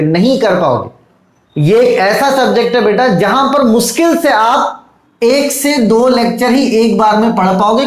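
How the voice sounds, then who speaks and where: A male teacher giving an online lecture to students, coaxing and fatherly, often pausing to check "okay?" and "look". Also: very high-pitched, reverberant, poor audio. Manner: repeats checks like "theek hai" and "dekho".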